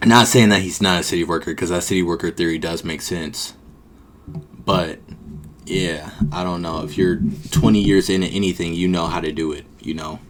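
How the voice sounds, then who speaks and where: A man's voice: deep voice, steady tone, moderate pace, a little hiss or hum. A young man streaming, chatting casually and swearing as he reacts to a documentary. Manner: slangy, swearing, talks back to the video. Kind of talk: casual live reaction chat.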